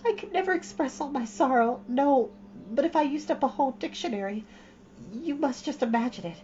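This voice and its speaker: A woman voicing an imaginative, talkative orphan girl who speaks in a high, gushing, dramatic way. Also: lively intonation, normal speed, darkish tone, lightly acted. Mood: pleading. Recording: slightly dull lo-fi recording.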